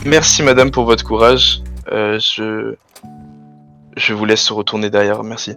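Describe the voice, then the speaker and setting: A man's voice: fairly low pitch, fairly even intonation, unhurried, creaky, bright, forceful tone, faint music behind, heavily acted. A man playing a courteous lawyer in an online roleplay court, speaking formally and wordily with some hesitation. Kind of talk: improvised online game roleplay.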